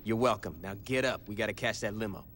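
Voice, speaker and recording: An actor playing a blunt, sarcastic, foul-mouthed gang leader in a video game. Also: male voice, on the low side, fast talker, a bit bright, a little hiss or hum, natural voice. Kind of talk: video game cutscene acting.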